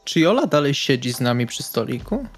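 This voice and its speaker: A man's voice: mid-range voice, sing-song, a little fast, soft background music. A man playing a tabletop role-playing game, speaking politely and a little hesitantly in and out of character.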